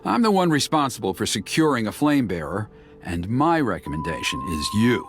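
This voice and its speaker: An actor playing a dignified, resolute tribal official in a video game, speaking in a measured, formal and earnest way. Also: male voice, lowish voice, sing-song, a bit bright, faint music behind. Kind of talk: video game character dialogue.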